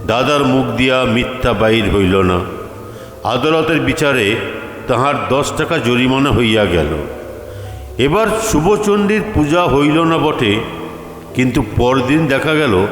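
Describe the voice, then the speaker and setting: A man narrating a literary story dramatically, in measured phrases with pauses between them. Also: mid-range voice, a little hiss or hum. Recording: echoey hall with long reverb. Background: faint music.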